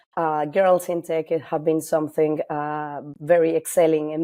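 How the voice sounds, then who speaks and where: A woman speaks with a very deep, low pitch and a dark, mellow tone. Her intonation is flat and monotone at a moderate pace against a quiet background. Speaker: podcast host. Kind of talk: interview. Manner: hesitant, many fillers.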